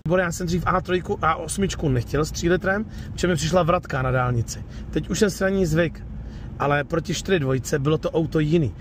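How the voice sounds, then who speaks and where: A slightly high male voice, with a little hiss or hum in the audio, hosts a car review channel. Casual and chatty, he says "jo" at the ends of sentences while walking around a used car lot outdoors and later test-driving from inside the car.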